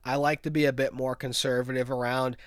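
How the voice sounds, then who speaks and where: A man's voice: mid-range voice, level tone, dry recording, clean studio sound. A young man hosting an investing channel, talking casually to his viewers about his trades while stuffy from a cold. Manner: chatty, says "guys" often, quick restarts. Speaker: stock market channel host. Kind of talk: casual investing talk to camera.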